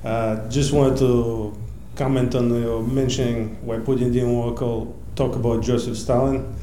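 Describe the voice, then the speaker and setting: A man's voice: medium pitch, little pitch movement, measured pace, dark tone. A man making a comment from the audience at a live show. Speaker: audience member at the microphone. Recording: echoey venue PA, faint noise.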